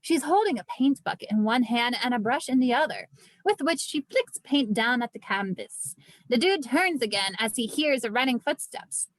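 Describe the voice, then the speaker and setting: A woman's voice: on the high side, lively intonation, normal speed, no room sound, low-quality recording. A woman narrating stage directions from a script at a table read.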